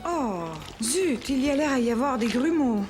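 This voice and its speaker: A woman voicing a gentle, patient mother in a French cartoon, speaking to a small child in an encouraging way. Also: high voice, expressive, normal speed. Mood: mildly concerned. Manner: gentle, encouraging, sing-song. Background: prominent music.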